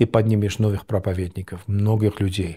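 A man's voice is fairly low, dark and mellow, and somewhat breathy, with fairly even intonation. The background is quiet. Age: 50s. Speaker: pastor. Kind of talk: interview. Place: studio. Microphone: lapel.

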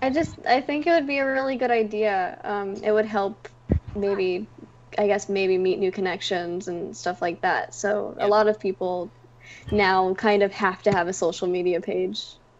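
A woman with an American accent talks at a moderate pace in an unremarkable speaking voice. Her pitch is medium and her intonation lively. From Ohio. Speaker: stream host. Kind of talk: casual interview.

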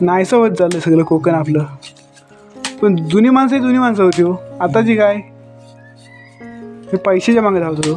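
Music plays behind a high-pitched man speaking. His intonation is lively and his loudness very even. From Konkan, Ratnagiri district, Maharashtra. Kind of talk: casual village conversation.

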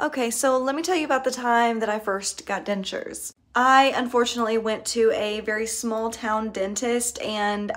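The speaker keeps a moderate pace with fairly even intonation. The background is quiet. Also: woman. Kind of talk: casual vlog chat. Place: bathroom. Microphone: phone near.

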